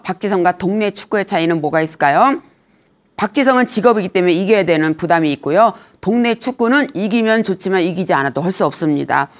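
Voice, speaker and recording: A middle-aged woman giving a lecture on aging well, joking and telling lively stories. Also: mid-range voice. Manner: humorous, lively storytelling with acted quotes. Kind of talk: senior lifestyle lecture.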